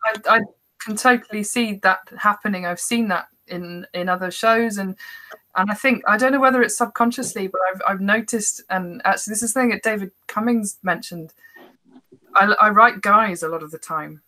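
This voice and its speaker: A woman's voice: mid-range voice, normal speed, sharp tone, rough recording. A woman guest in a casual podcast conversation, talking as a writer in a hesitant, self-reflective manner.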